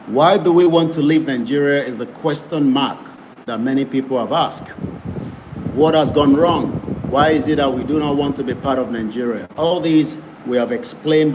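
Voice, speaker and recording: A man hosting an online advocacy broadcast, speaking in an emphatic, repetitive campaigning manner. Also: medium pitch. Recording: noisy background.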